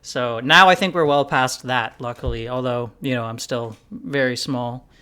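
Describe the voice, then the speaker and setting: A man hosting a casual podcast conversation about investing, relaxed and rambling, with many "like"s and "you know"s. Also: medium pitch, moderate pace, clean tone. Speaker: investing YouTuber host.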